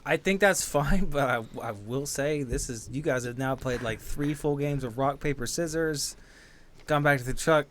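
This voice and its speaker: A man narrating a tabletop game as game master, in a halting, conversational way. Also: mid-range voice, a little hiss or hum. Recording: music behind the voice. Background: background music.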